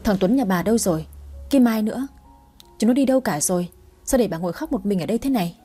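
A woman's voice: medium pitch, animated, quick pace, warm tone, breathy edge, soft background music. A woman voicing an outspoken, easygoing elderly neighbor who chides bluntly. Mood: concerned. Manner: blunt, chiding.

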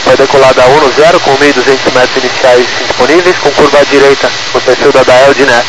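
A man's voice: medium pitch, steady tone, fast talker. A Brazilian man speaking aviation phraseology over crackly military-style radio. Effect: radio transmission.

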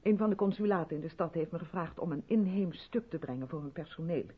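An actress playing an effusive, self-absorbed white South African theatre director in a 1970s Dutch radio play, chatty and patronising in a theatrical way. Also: female voice, fairly low pitch, fast talker, husky. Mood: chatty, purposeful. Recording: dull vintage radio recording.

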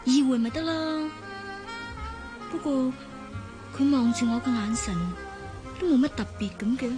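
Radio play: a dreamy young Hong Kong student, high-voiced, music behind. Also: female voice, unhurried. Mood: daydreaming. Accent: Hong Kong Cantonese. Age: young adult. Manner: lively, sulky, dreamy. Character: young woman student, spirited, romantic daydreamer. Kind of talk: radio drama acting. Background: background music.

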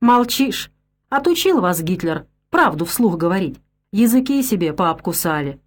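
A woman's voice: lowish voice, very animated, measured pace. A woman voicing an irritated partisan man who presses with short, pointed questions. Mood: irritated pressing.

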